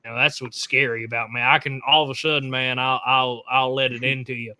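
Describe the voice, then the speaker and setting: A man's voice: medium pitch, flat delivery, fairly quick, sharp tone. A man from Mississippi with a Southern accent, co-hosting a casual political podcast. He talks in a fiery, rambling way and often repeats words as he starts a sentence. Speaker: podcast co-host.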